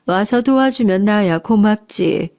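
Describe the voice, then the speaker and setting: A woman voicing a haughty, patronizing executive's wife who speaks slowly. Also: mid-range voice, expressive, creaky, a little mellow. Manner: slow, patronizing.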